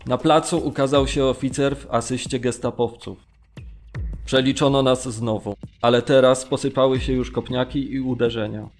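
A man acting a sombre Polish camp survivor recounting his memories in a measured audio drama reading. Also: medium pitch, fairly even intonation, faint music behind, close to an everyday voice. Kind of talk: dramatised documentary memoir reading.

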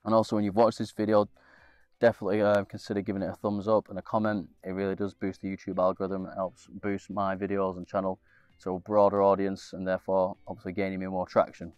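Young man, low flat voice, nasal. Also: quick pace, clear, resonant tone, no room sound, faint music behind. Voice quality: a bit nasal. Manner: rambling, lots of fillers and restarts. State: congested with a cold. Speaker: investing channel host. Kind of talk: casual screen-share walkthrough.

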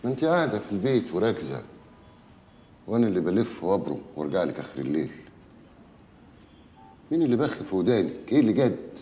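A brazen, womanizing Egyptian husband in a film drama. He speaks in a low voice with lively swings of pitch, taunting and cynical, and faint music runs underneath. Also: fast talker, pauses often, in a large hall, a little hiss or hum. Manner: taunting, brazen, then placating. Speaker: unfaithful husband.

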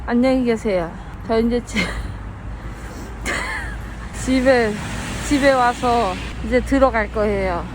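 A woman's voice: a little high, slow pace. A woman vlogging casually, whining and laughing at herself as she complains. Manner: whiny and self-mocking, laughing through complaints. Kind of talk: casual vlog chat. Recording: noisy street background.

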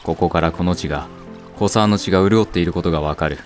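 A man's voice: low voice, fast, soft background music, lightly acted. A man playing a proud, fatherly samurai castle lord in a period voice drama, speaking in an archaic, lordly way. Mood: warm, stately. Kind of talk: Japanese period voice drama acting.

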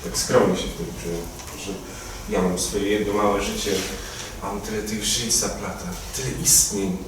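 A man's voice: fairly low pitch, little pitch movement, moderate pace, natural voice. A young male student actor playing a pompous, admiring devotee who lectures the others in a grandiloquent way. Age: late teens. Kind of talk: amateur stage acting. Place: converted attic hall at a school. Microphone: distant room mic. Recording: echoey room, distant mic, noisy.

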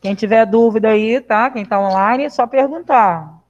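A woman's voice: a little high, normal speed, darkish tone. A Brazilian woman teaching children in a live online class, patient and reassuring, asking coaxing questions. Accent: Brazilian Portuguese. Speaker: primary school teacher. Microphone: video call. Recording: lo-fi video call audio.

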